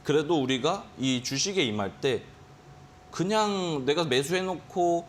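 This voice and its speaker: Animated male stock trading instructor. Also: fairly high pitch, unhurried, a little hiss or hum. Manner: animated, acts out his own gut reactions with quoted exclamations. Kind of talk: explaining day trading to students on a finance broadcast. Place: broadcast studio.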